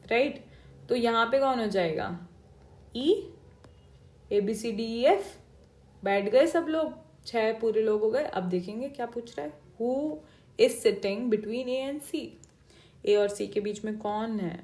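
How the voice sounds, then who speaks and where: A woman teaching an exam-prep class, with a slightly high voice and an unhurried, deliberate pace. She walks through each step, switches between Hindi and English, and keeps checking in with her students. She is recorded in an echoey room. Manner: explains step by step, mixing Hindi and English, checks in with "theek hai". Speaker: reasoning teacher.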